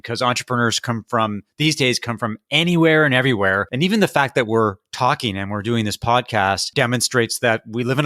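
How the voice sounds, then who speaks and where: A man hosting a podcast, asking long, smoothly framed questions. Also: mid-range voice, pushed and bright, no echo, studio quality. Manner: long, fluent framing questions. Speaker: podcast host.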